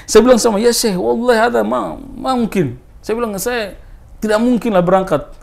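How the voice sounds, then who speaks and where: Animated man telling his faith story. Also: high-pitched, moderate pace, vocal fry. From Timor Leste. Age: 30s. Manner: animated storyteller, voice rising with emphasis. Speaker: interviewee. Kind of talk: personal testimony in casual interview.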